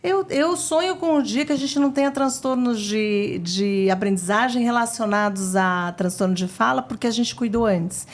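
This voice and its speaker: A woman's voice: a little high, normal speed, hardly any pauses. A middle-aged woman, a speech therapist, explaining things as a guest in an interview with eager emphasis. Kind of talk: casual interview chat.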